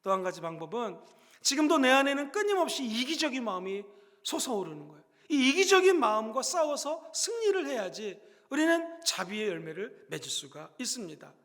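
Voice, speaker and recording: A young man with a Gyeongsang Korean accent, preaching a sermon as pastor, emphatic and at times rising to loud exhortation. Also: very high-pitched, very animated, a little fast, in a large hall. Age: young adult.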